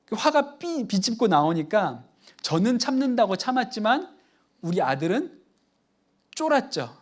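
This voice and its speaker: Male pastor, conversational sermon, lively swinging pitch, chatty asides to the congregation. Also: a little slow. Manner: animated, chatty anecdotes with audience asides.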